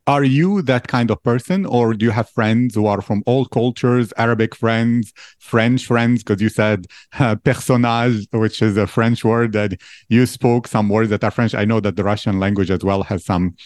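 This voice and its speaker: Male host, slightly low pitch, inquisitive and wordy, dry room. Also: fairly even intonation, moderate pace, a little mellow, no echo. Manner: inquisitive, long wordy questions. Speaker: interview host. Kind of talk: interview questions.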